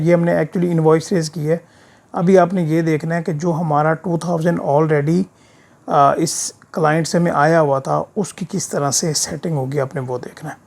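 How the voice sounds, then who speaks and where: A man with a sore throat giving an informal step-by-step software tutorial, often checking that the learner follows with short tag questions. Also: on the high side, gravelly. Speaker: instructor of an accounting software course. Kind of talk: screen-share tutorial, informal explaining. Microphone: voice-over of a screen recording.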